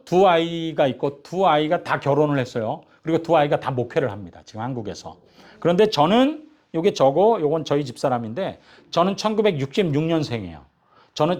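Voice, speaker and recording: A man in his fifties, a pastor giving a lively lecture in church, asking the audience questions and joking with them. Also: high-pitched. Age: 50s. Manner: animated, asks the audience questions and jokes with them. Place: church hall.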